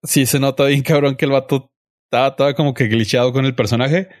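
A man's voice: mid-range voice, fairly even intonation, fast, no echo. A young Mexican man talks over a podcast mic in a slangy, opinionated way. His voice sits in a middle range and the sound is dry and close. He gives his views firmly and holds his ground. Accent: Mexican Spanish. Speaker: podcast host. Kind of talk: casual chat reviewing a series.

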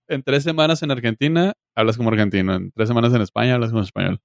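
A Mexican man hosting a podcast, talking in a colloquial, joking way. His voice sits at an average pitch and the sound is very dry, with hardly any room in it. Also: creaky, no echo. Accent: Mexican Spanish. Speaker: podcast host. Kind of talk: casual chat.

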